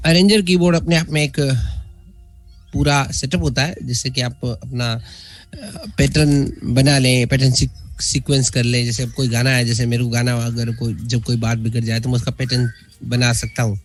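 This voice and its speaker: A man's voice: medium pitch, fairly even intonation, moderate pace. A man giving a spoken online lesson on music keyboards, explaining step by step with fillers and restarts.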